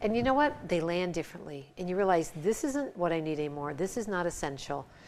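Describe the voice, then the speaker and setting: A woman with a Midwestern American accent at a very fast pace, fairly low in pitch, with very wide pitch swings. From northeast Ohio. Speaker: author. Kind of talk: interview. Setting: studio. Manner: animated.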